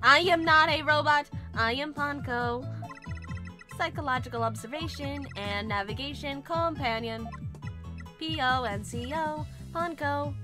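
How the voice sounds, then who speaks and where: A woman's voice: high voice, a little slow. A woman voicing a cheerful small female guide robot that talks in polite, formal, chipper robot speech, with game music behind.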